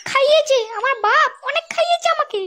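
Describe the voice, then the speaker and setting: A performer voicing a sharp-tongued young wife in a comedy cartoon, crude and taunting, with a West Bengal accent and a pitched-up voice. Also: quick pace. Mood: scornful nagging. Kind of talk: amateur comedy cartoon dialogue.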